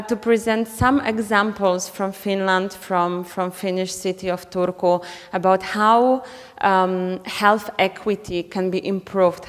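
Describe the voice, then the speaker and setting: Lady giving a talk, lots of ums, echoey hall. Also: mid-range voice. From Poland. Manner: hesitant, many ums and restarts. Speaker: conference speaker. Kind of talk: conference presentation. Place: conference hall. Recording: reverberant conference hall.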